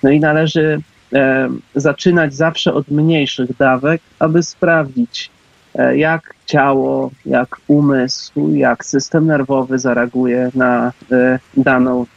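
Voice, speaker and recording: A man's voice: medium pitch, level tone, takes it slowly, creaky, no echo. Muffled, dry-sounding male radio guest. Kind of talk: informal explanatory interview talk. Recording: dull, dry call audio.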